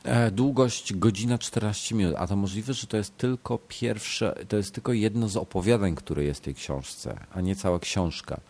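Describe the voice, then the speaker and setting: Deep-voiced man with a badly stuffed nose. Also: normal speed, few pauses, a little mellow. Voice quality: congested, blocked-nose voice. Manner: hesitant, self-correcting, repeats words. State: sick with a stuffed nose and fever. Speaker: podcast host. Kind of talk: casual podcast chat.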